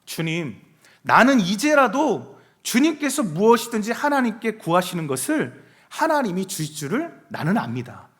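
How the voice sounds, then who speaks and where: A man's voice: high voice, sing-song, normal speed, a bit bright. A male preacher voicing a grieving, devoted woman disciple, delivered as an earnest, pleading confession.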